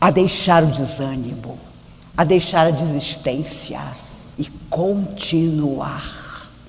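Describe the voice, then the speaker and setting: A woman's very deep, low voice with ordinary pitch variation and audible room echo. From Brazil, Rio de Janeiro then Brasília. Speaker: spiritist lecturer. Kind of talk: lecture.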